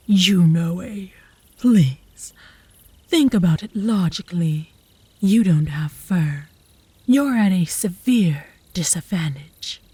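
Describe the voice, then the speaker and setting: A woman's voice: fairly low pitch, expressive, slow pace, pauses often, warm tone, slightly rough, no room sound, full character voice. A woman playing a cocky, possessive young female werewolf who taunts her rival smugly in a comedic ASMR roleplay. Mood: cocky, goading. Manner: smug, taunting.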